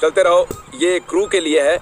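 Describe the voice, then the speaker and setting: A man dubbing a vlog host, narrating in an excited showman way. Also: high voice, moderate pace, soft background music, natural voice. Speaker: host dubbed into Hindi. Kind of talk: energetic vlog narration dub.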